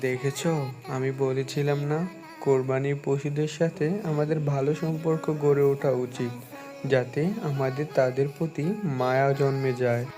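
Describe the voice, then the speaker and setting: A performer voicing a wise Muslim cleric in an animated moral story, speaking in a didactic, admonishing way. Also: medium pitch, moderate pace, over music, lightly acted. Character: wise, admonishing Muslim cleric teaching children about sacrifice.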